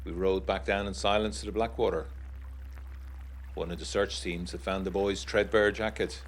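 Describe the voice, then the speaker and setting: A man's voice: sits low, steady tone, moderate pace, a little hiss or hum, close to an everyday voice. An actor playing a genteel, uneasy young war veteran narrating his letters in a literary, wryly confiding way for a gothic period audiodrama. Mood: uneasy, brooding.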